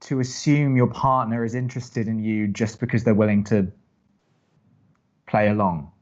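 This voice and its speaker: A man's voice: on the low side, fairly even intonation, normal speed, darkish tone, muffled recording, natural voice. An actor playing a skeptical, guarded young man who co-hosts college radio in an audio drama, with a hesitant, wry way of talking. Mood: earnest, cautioning. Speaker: college radio co-host and advice-giver. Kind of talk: naturalistic audio drama acting.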